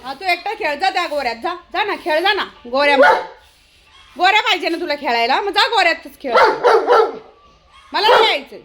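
A woman's voice: extremely high pitch, expressive, a little fast, very noisy. A woman vlogging outdoors as she teases and scolds her dog, laughing often. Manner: scolding and teasing, with frequent laughter. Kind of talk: casual vlog talk to her dog. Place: outdoors in an open ground.

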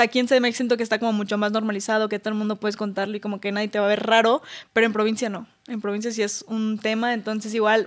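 A young woman with a Mexican accent, a guest chatting casually and telling a personal story, full of fillers like "güey". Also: fairly high pitch. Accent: Mexican Spanish. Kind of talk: casual chat.

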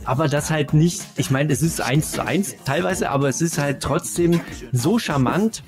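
A man's voice: on the high side, normal speed, over music. A man chatting casually and emphatically as a sardonic podcast co-host reviewing audio dramas.

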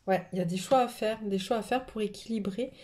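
A tarot reader with a cold gives a casual spiritual card reading at her home table, the camera above the cards, rambling with plenty of fillers and restarts. Her mid-range voice is brisk with a darkish tone, and there's a little hiss or hum in the audio.

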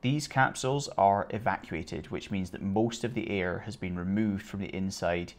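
Gravelly low-voiced male instructor. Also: moderate pace. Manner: relaxed, conversational teaching with casual asides. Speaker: flight theory instructor. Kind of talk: explanatory online lesson.

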